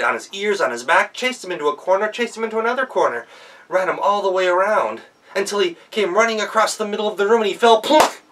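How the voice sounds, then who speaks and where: A male storyteller with a fairly high, bright and forceful voice. He narrates a folktale theatrically, recorded a little way from the microphone. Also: recorded from a distance. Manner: theatrical, with emphatic sound words. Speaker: professional storyteller.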